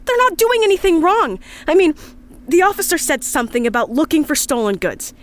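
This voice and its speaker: A young woman with a fairly high voice records an earnest personal log in a sci-fi audio drama. She is upset and confiding, with a hesitant, emotional delivery that suits life in an underground hideout. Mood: distressed, indignant. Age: young adult. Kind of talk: audio drama monologue, confiding diary entry.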